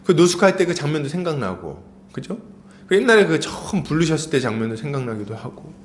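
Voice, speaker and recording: A man preaching a sermon as pastor, storytelling with animated, acted-out lines. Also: on the high side, fairly quick, a little hiss or hum.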